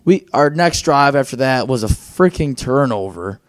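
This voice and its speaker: A man hosting a casual sports podcast, his voice raspy and worn out after a late night, rambling and getting excited as he recaps the game. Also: mid-range voice, normal speed, no room sound. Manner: excitable, rambling fan talk. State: hoarse, worn out; tired, foggy. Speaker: podcast host.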